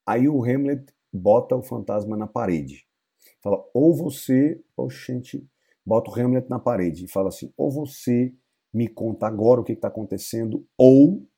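A man's voice: medium pitch, normal speed, mellow, breathy edge. A man with a Brazilian accent teaching English through a story, chatty and explaining word by word with asides. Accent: Brazilian Portuguese. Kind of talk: casual bilingual literature lesson.

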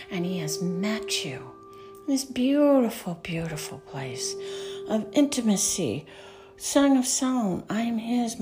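A woman guiding a Christian meditation in a soft, often whispered voice, with slow, soothing prompts. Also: medium pitch. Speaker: meditation guide. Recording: music playing underneath.

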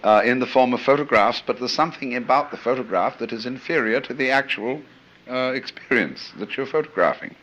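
A man's voice: medium pitch, brisk, a bit bright, highs cut off. An older man giving a reflective, anecdotal lecture, musing aloud with frequent "you see" and hesitant "uh"s. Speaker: lecturer on philosophy.

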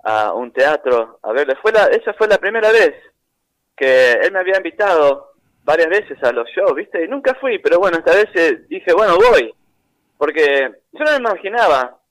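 Animated American man telling anecdotes. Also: fairly high pitch, moderate pace, no echo, poor audio. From Philadelphia, United States. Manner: chatty, animated anecdotes with many restarts. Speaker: guest author. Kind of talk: phone interview, storytelling. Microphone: phone line.

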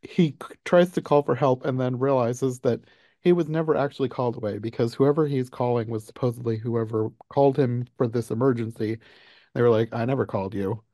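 A man hosting a casual podcast, recapping an animated film and laughing often as he talks. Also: mid-range voice, brisk, no room sound, studio quality. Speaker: podcast host. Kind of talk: casual film review chat.

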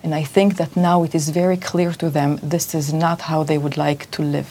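A woman from Israel answers questions in a radio studio. Her voice sits slightly low, and she speaks in a firm, formal and measured way. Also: flat delivery, dark tone, a little hiss or hum. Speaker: diplomatic representative. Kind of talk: interview answers.

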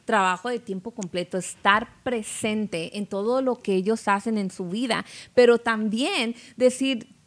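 A woman's voice: fairly high pitch, measured pace. Female podcast host, supportive interviewer, Spanish with English phrases mixed in. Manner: warm, affirming, mixes English phrases into Spanish.

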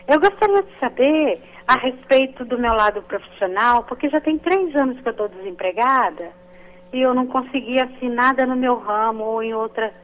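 A woman's voice: a little high, expressive, normal speed, fairly bright tone. A woman, calling in to a radio show over the phone and giving short, polite answers. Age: 50s. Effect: heard over a phone line. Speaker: radio call-in caller.

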